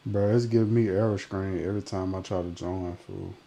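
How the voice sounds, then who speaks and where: Gravelly young Memphis man chatting. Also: low voice, fairly even intonation, a little fast, dark tone. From Memphis, Tennessee. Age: 20s. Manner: laid-back slang, trailing off mid-sentence. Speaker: streamer. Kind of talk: casual live-stream chat reading comments.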